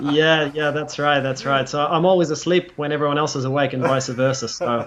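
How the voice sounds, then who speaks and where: The speaker has an Australian accent and fairly even intonation, moving at a fairly quick pace. Background noise is noticeable. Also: man, fairly high pitch for a man. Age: 30s. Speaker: blogger and online course creator. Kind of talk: interview.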